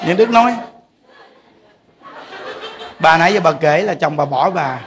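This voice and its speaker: A man's voice, on the high side with lively intonation, moves at a measured pace. He's a Southern Vietnamese-accented Buddhist monk giving a lighthearted dharma talk, laughing often and speaking directly to those listening.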